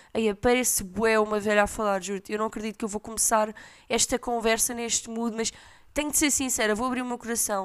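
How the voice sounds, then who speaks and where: On a very clean recording with a silent background, a woman with a European Portuguese accent talks at a fairly quick pace. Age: 20s. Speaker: podcaster. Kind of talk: casual monologue. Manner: rambling with fillers.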